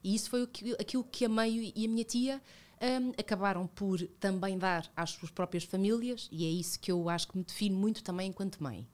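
A woman in her thirties with a European Portuguese accent, talking reflectively as a podcast guest, with many fillers and self-corrections, close on a studio boom mic. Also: brisk, darkish tone. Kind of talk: casual conversational interview. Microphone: studio boom mic with headphones.

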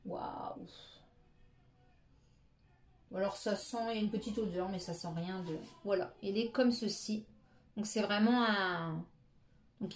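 A woman's voice: mid-range voice, a little mellow, a little hiss or hum. Middle-aged woman, casual haul vlogger, chatty with many hesitations, echoey room. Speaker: beauty vlogger.

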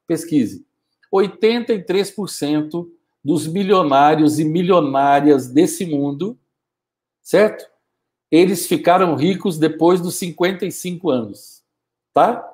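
A man in his fifties lectures his viewers with fierce, scolding energy in a somewhat high voice. He speaks into a wired earphone mic in a small home studio. He talks like a motivational speaker rousing a live audience. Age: 50s. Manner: forceful, scolding, gestures a lot. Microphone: wired earphone mic, webcam framing.

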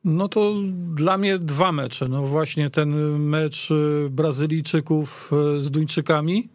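A man talking informally as a sports guest, in a halting way that often repeats words. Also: on the high side, fairly even intonation, dry recording, studio quality. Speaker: studio guest pundit. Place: radio studio.

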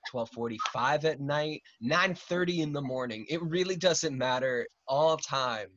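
A man's voice: on the high side, a little slow, a bit bright, dull audio. A young man co-hosting a casual video call, playful and jokey. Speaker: co-host. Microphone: webcam on video call.

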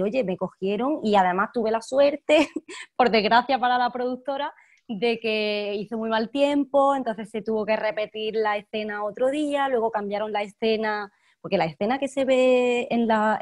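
A woman in her twenties with an Andalusian accent, chatting lively as an actress in an interview, laughing often. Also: a little high. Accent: Andalusian Spanish. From Andalusia, Spain. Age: 20s. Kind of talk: casual interview chat.

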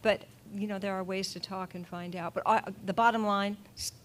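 A woman's voice: medium pitch, steady tone, brisk. An older woman on a panel giving frank, emphatic acting advice at a table mic. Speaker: panel guest, actress. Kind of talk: casual panel chat. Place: indoor meeting room at a panel table. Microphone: table mic on stand.

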